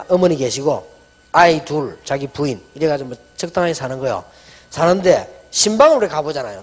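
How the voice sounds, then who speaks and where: A middle-aged man, a pastor, preaching a sermon in a lively storytelling way, often dropping soft and low when he quotes people. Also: big-room sound.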